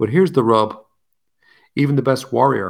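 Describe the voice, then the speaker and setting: A man with an Irish accent at a fairly quick pace, ordinary pitch variation, on a very clean recording with a silent background. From Ireland. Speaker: podcast host. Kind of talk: solo podcast monologue.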